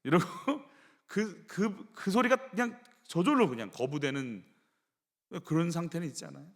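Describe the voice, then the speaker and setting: Male pastor, sermon delivery, lively and expressive, slightly higher voice. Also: moderate pace, in a large hall. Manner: animated storytelling, acting out quoted voices. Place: church sanctuary.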